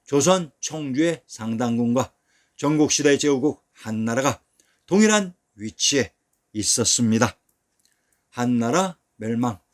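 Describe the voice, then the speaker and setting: A man giving scripted narration for a history channel, reading old texts in an even, measured way. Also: mid-range voice.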